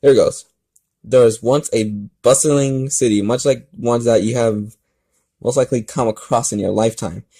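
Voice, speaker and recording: Rambling, halting man vlogging. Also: mid-range voice, fairly even intonation, warm tone. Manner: rambling, halting, often restarting sentences. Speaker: host of fan fiction reading videos. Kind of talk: casual rambling vlog talk and fan fiction read-aloud.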